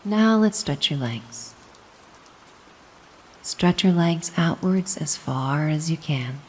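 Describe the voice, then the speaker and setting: For a hypnosis audio drama, a woman plays a mysterious, doting caretaker, speaking slowly in a low, hushed lullaby register that is still animated. She gently coaxes and reassures in an ASMR-like roleplay, with a gentle mood. A faint wash of rain and slight background noise sit behind her.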